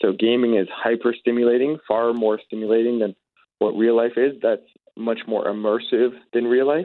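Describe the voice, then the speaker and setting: A man with a Canadian accent, a normal speaking voice, medium pitch and a moderate pace. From Canada, Calgary. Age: 20s. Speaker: founder of gaming addiction support group. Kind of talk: phone interview. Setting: phone call.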